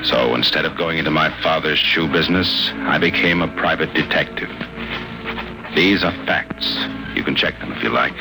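A man's voice: a bass voice, moderate pace, creaky, low-quality recording. An American actor playing a wisecracking, hard-boiled private detective in his thirties in 1950s radio style. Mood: grim, hard-boiled. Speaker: actor and narrator in a radio drama. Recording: old radio recording with dramatic music.

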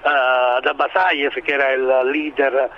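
A man giving expert current-affairs analysis in an interview, speaking in a halting, hesitant way as he builds his points. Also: medium pitch, flat delivery, phone-quality sound, a little hiss or hum. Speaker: expert commentator being interviewed.

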